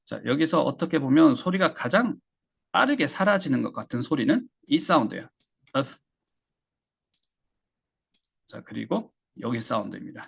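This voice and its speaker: Pronunciation teacher, male, husky and gravelly, repeats phrases slowly. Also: medium pitch, sing-song. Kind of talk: classroom lesson.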